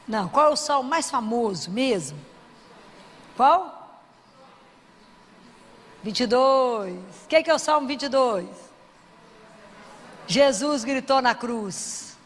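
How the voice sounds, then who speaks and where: High-voiced woman preaching in a reverberant hall. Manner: asks the audience questions and answers them; drops to a soft low voice for quoted prayers. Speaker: Christian preacher. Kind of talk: sermon.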